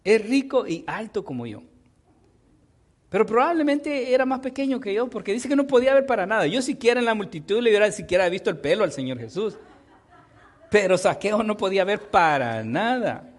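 A man's voice: high voice, a little fast. A man preaching a sermon, joking with the congregation and often asking for agreement. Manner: animated, jokes with the congregation, tag questions.

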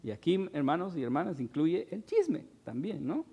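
A man's voice: a little high, big pitch swings, normal speed, gravelly, mellow, husky. A pastor preaching a sermon in a conversational way, asking his congregation short questions and rising in force on key points.

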